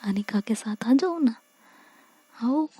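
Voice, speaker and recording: Sulky, sarcastic young friend, voiced by a woman; dry, warm tone. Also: on the high side, lively intonation, takes it slowly, husky, no room sound, heavily acted.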